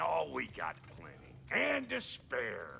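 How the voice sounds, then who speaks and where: A man puts on a raspy character voice. Clear background noise runs underneath. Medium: video game. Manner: gruff, streetwise.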